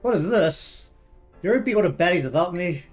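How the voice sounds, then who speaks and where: High-voiced man chatting over gameplay. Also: animated, fast, soft background music. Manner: chatty, joking, swears casually. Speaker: gaming video host. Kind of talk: casual let's-play commentary.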